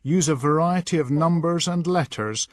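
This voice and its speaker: Speaking in a slightly high voice, a man narrates a prepared lesson and walks through instructions in a measured manner. The audio is close-miked and dry, with no trace of the room.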